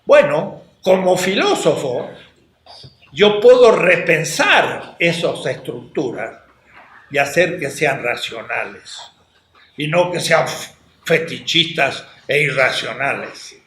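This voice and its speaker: Older male philosophy lecturer, slightly high voice, very slow delivery, roomy hall sound. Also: animated, fairly bright tone, slight background noise. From Latin America. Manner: slow, deliberate, with rhetorical questions to the class. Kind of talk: university lecture.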